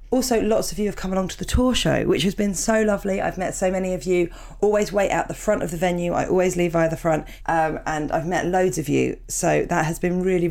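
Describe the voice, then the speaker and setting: A woman in her thirties with a cold, hosting her podcast in a rambling, self-mocking chat with a croaky, gravelly voice. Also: deep voice, darkish tone. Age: 30s. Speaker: podcast host. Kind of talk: chatty podcast intro, reading listener emails.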